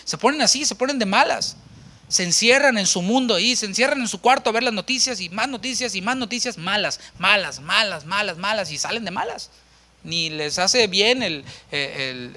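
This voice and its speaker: Male pastor, high sharp voice, lively sermon delivery. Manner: animated preaching, rhetorical questions, acts out quoted voices. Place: church without a congregation.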